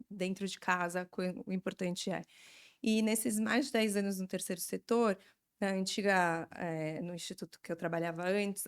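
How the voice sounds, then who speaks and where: This is a Brazilian woman in her forties with a mid-pitched voice and plenty of vocal fry. She talks as a guest in an interview, explaining things in an informal way. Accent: Brazilian Portuguese. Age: 40s. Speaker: interview guest, education NGO representative.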